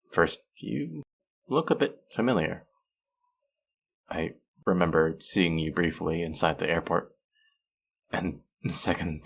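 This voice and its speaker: A man's voice: low-pitched, vocal fry, fairly bright tone, breathy edge, heavily acted. A man playing a friendly, teasing, slightly bashful young traveler in a casual, intimate one-sided audio roleplay. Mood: warm, polite.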